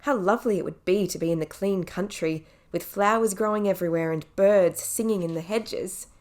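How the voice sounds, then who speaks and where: A woman's voice: mid-range voice, moderate pace, darkish tone. A woman reading scripted audiobook narration as a professional narrator.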